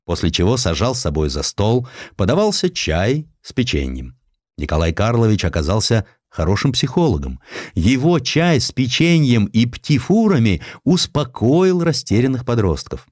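A man narrating historical sketches as a dramatised audiobook, in a theatrical, expressive way. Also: mid-range voice, moderate pace, dry recording, clean studio sound.

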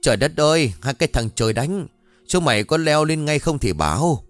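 A man voicing a cranky old villager in his seventies who holds grudges and shouts and gloats at two boys. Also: mid-range voice, lively intonation, normal speed, dry recording, soft background music, natural voice. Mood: furious.

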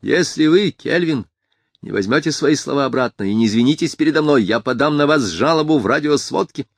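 A male audiobook reader voicing a tense, haughty middle-aged scientist with a shrill voice that rises to falsetto. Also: expressive, brisk, dry recording. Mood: threatening. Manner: indignant and haughty, then pleading.

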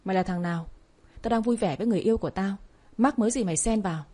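A woman's voice: mid-range voice, rapid-fire, dark tone, natural voice. A woman voicing a leering, arrogant young man who mocks his ex-girlfriend in crude taunts. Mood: spiteful.

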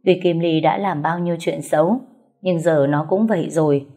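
A woman reader voicing a brisk, practical middle-aged woman arranging family matters. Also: low-pitched, dark tone. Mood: businesslike.

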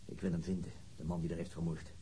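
A man's voice: low-pitched, flat delivery, fast talker, warm tone, slight background noise, close to an everyday voice, rough recording. An actor in a radio drama playing a weary, driven male detective, no longer young, with a terse delivery. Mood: grim, intense. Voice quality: husky. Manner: terse, dogged.

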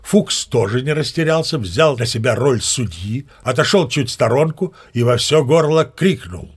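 An actor playing a seasoned old sea captain who narrates tall tales as a chatty, mock-dignified raconteur. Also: male voice, medium pitch, expressive, moderate pace, breathy edge. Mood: chatty, wry. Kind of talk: dramatized storytelling narration.

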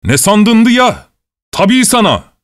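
A man's voice: on the high side, normal speed, dry recording, studio quality, lightly acted. A man voicing a blustering, irritable male village watchman in a read-aloud story, with a bossy, threatening manner. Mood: furious. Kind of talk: audiobook character reading.

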